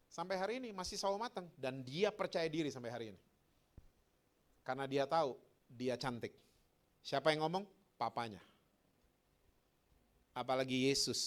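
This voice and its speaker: A middle-aged man, a pastor preaching a sermon in a conversational way, with slang and rhetorical questions. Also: mid-range voice.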